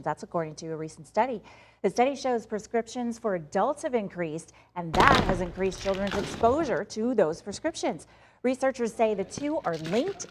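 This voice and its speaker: A woman's voice: on the low side, slight background noise. An American woman anchoring morning news in a TV studio, switching between news reading and chatty, conversational delivery. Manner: chatty, conversational, teasing asides. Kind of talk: broadcast news reading with playful co-anchor banter.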